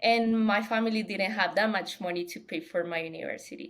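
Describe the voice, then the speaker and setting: This woman speaks with a Colombian accent. Her voice is somewhat breathy, her intonation fairly even. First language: Spanish. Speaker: biomedical technician and YouTuber. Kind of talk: interview conversation.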